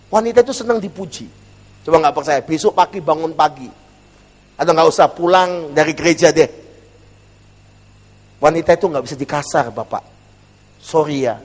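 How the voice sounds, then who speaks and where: Animated male preacher in a reverberant church. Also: fairly high pitch. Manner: humorous, animated, keeps addressing the congregation. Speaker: pastor. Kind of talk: sermon.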